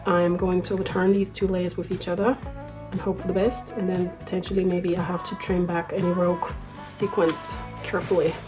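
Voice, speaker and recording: A woman narrates a casual sewing vlog, chatty and quick to make self-deprecating asides. Her voice sounds a little under the weather. Soft music plays faintly underneath. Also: lowish voice, little pitch movement. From Austria. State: slightly sick voice. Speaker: sewing vlogger.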